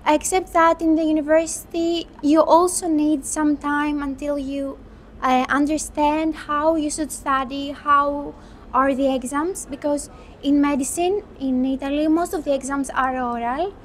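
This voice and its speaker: Young Greek woman, high voice. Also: steady tone, slight background noise. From Greece. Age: 20s. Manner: thoughtful, unhurried, with restarts. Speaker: medical student. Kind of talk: interview.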